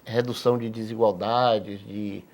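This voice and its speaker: A man in his sixties from Salvador with a Bahian accent, a physician answering interview questions in a measured, halting way, repeating words as he thinks. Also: fairly low pitch, little pitch movement, darkish tone. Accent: Bahian Brazilian Portuguese. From Salvador, Bahia, Brazil. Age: 60s. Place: TV studio.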